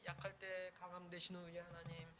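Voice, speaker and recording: A man's voice: high-pitched, monotone, a little fast, noisy background. A man preaching a sermon as pastor. He speaks with emphasis, repeats key phrases and acts out short prayers and dialogues.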